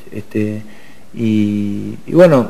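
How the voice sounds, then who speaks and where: A man speaks with ordinary pitch variation. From Argentina, Buenos Aires province (Coronel Suárez); Buenos Aires province, Argentina. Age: 50s. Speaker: motivational speaker. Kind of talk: interview. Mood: warm, reflective, spiritual. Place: studio. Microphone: lapel.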